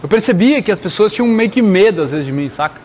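A man's voice: high-pitched, expressive, quick pace, a little mellow. A man speaking casually and earnestly, giving slangy personal advice directly to listeners. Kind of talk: casual motivational talk.

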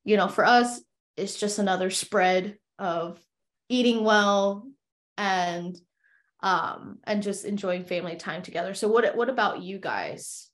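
A young woman hosts a casual podcast conversation. She talks in a loose, chatty way, restarting her sentences and filling pauses. Her voice sits in an ordinary middle range. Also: medium pitch. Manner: chatty, many fillers and restarts. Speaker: podcast host. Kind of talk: casual interview chat.

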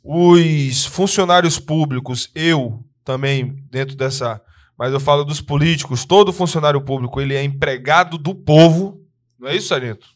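A man from Brazil who co-hosts a laid-back podcast. He reads viewer messages and answers them earnestly, speaking with conviction. His voice sits a little high for a man. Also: normal speed. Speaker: podcast co-host. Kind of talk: casual podcast chat, reading viewer messages.

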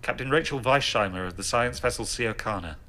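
An actor playing an officer who formally announces speakers in a science fiction audio drama, procedural and official. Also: male voice, mid-range voice, fairly quick, sharp tone, close to an everyday voice. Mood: official, neutral. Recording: crowd murmur in the room.

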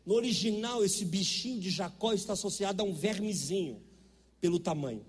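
High-voiced Brazilian preacher in a reverberant church. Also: male voice, animated, a little fast, breathy edge. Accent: Brazilian Portuguese. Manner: storytelling, emphatic, conversational preaching. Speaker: pastor. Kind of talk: sermon.

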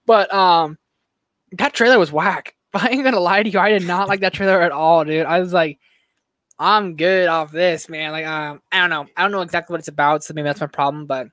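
A young man co-hosting a podcast in casual, animated chat, with slangy talk and frequent laughs. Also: high voice, fast talker, dry recording. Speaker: podcast co-host.

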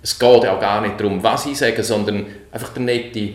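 Low-voiced Swiss German man, echoey room. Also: fairly even intonation, fairly quick. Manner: chatty, asks questions, shares his own experience as a father. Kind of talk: casual conversation.

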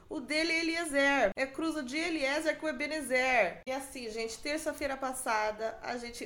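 A woman's voice: sits high, a bit bright, reverberant. A Brazilian woman hosting a podcast alone, chatting casually and mockingly with frequent laughs. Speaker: podcast host. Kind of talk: casual gossip monologue. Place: room at home.

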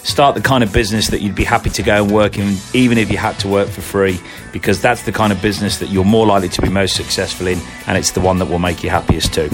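A man's voice: on the low side, fairly even intonation, fast talker, over music. A man in his fifties, an entrepreneur, giving earnest, encouraging advice in a short recorded clip. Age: 50s.

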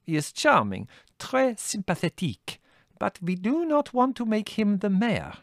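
A woman's voice: mid-range voice, huge pitch swings, unhurried, dry recording, clean studio sound, pitched above the performer's own voice. A man reading aloud and voicing a waspish, worldly woman who drawls with arch theatrical flair. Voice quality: arch, drawling, sprinkled with French.

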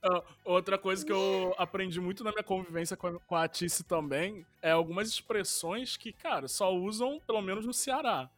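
A man chatting as a podcast co-host, telling relaxed stories and laughing often. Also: high-pitched, normal speed. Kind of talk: casual chat.

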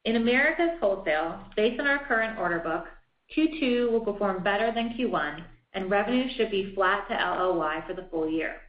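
Woman, company executive, formal scripted reading, medium pitch, echoey dull conference line. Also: animated, fairly quick. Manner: formal, reading prepared remarks. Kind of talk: scripted earnings call remarks. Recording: dull, roomy conference call audio.

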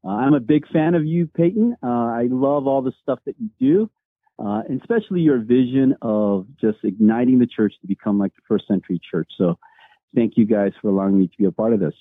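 A man's voice: mid-range voice, animated, fairly quick, no echo. A Korean-born man, a senior pastor, telling his story earnestly as a guest, with many fillers and restarts, heard over a remote call. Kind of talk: casual storytelling interview. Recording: dry, tinny phone-like line.

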